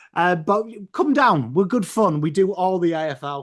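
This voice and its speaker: A man with an English accent in an animated tone, against a quiet background. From England. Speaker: Australian football content creator. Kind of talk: casual chat.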